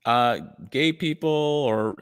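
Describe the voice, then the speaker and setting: A man's voice: fairly high pitch, slow, smooth. A man chatting as a guest in an interview, rambling with restarts and lots of "you know". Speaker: guest musician and comedian. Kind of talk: casual interview chat.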